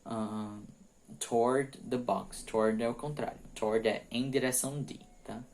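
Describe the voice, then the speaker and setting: A man teaching English prepositions, reading example sentences slowly and explaining them quickly, often checking in with "ok?". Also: mid-range voice, fairly even intonation, darkish tone. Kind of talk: bilingual grammar lesson.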